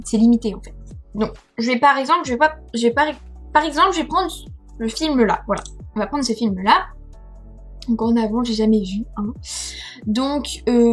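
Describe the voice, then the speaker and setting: A woman's voice: fairly high pitch, slightly rough. A young woman with a French accent casually walking viewers through websites on her screen, hesitant and full of fillers, laughing at herself. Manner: chatty, hesitant, many fillers and self-corrections. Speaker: vlogger. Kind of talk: casual screen-recording tutorial. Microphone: headset.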